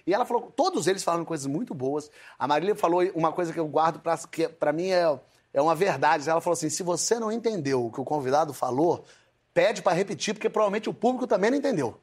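A man's voice: a little high, expressive, fast. A man with a Brazilian Portuguese accent, a comedian telling funny stories in an interview, acting out voices and laughing often. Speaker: comedian guest. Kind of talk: animated storytelling interview.

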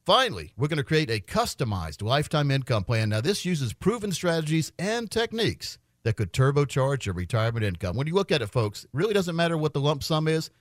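Man, middle-aged, infomercial sales pitch, folksy radio host, highly varied intonation, dry studio. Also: sing-song, brisk, few pauses, dry recording. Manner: folksy, addresses listeners directly. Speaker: financial radio show host, retirement adviser.

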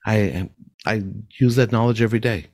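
An older man with a nasal voice, pitched slightly low. He answers interview questions in an enthusiastic, reflective way, and his voice sounds dry and close. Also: moderate pace, a little mellow, no room sound. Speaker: musical director and speech therapist.

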